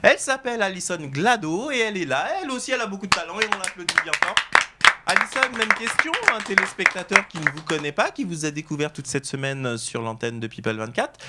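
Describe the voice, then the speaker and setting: A man hosting a TV talk show, presenting in a lively, emphatic showman's way to guests and camera. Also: sits high, fast talker, heavy background noise. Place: TV studio.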